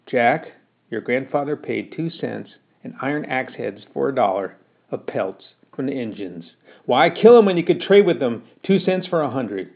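A man's voice: mid-range voice, lively intonation, moderate pace, vocal fry. A man voicing a blunt, scolding older country mother who talks in rustic dialect. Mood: scornful. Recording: tinny phone-like sound.

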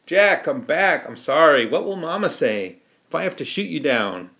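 A man's voice: medium pitch, very animated, takes it slowly, gravelly, heavily acted. A man voicing a bossy, hot-tempered older brother who is a young army officer in an audiobook. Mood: pleading.

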